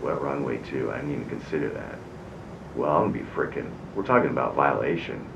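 An actor playing a distraught, apologetic airline captain in a halting cockpit recording reenactment. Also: male voice, animated, vocal fry, full character voice. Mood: self-reproaching. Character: distraught, apologetic male airline captain after a runway accident. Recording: distant, dull, roomy cockpit with loud rumble.

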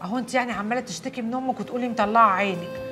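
An actress playing a wronged young maid who wails and curses, with an Egyptian accent. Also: female voice, fairly high pitch, very fast, over music, natural voice. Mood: fretful banter. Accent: Egyptian Arabic. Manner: wailing, cursing outbursts. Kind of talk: TV drama acting.

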